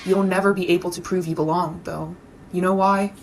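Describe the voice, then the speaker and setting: A woman's voice: lowish voice, fairly even intonation, fairly quick, gravelly, over music. A woman playing a breezy, sardonic game show host with showy announcer patter and mock sweetness in a satirical theater piece. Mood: sardonic, knowing. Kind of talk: satirical readers theater performance.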